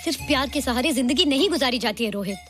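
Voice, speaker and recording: A sensible young woman who persuades gently. Her voice is high and lively, with faint music behind. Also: quick pace. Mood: gentle. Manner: patient, gentle, explaining. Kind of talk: film dialogue.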